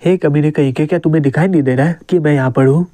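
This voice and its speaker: A man's voice: fairly high pitch, fast talker, warm tone, dry recording, close to an everyday voice. A man voicing a rude, hot-tempered young man on a bus, in a manga recap. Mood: angry.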